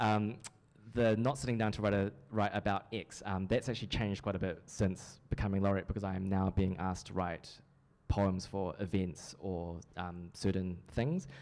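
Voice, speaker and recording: A man's fairly low voice with a New Zealand accent. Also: fairly even intonation, moderate pace. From New Zealand, Lower Hutt. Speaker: poet. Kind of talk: interview. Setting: stage with audience. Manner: halting. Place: stage. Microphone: handheld.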